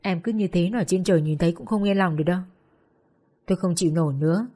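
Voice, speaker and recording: A woman's voice: fairly low pitch, fast, slightly rough. A woman voicing a caring male doctor who earnestly urges and explains. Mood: urging. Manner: calm, earnest persuading.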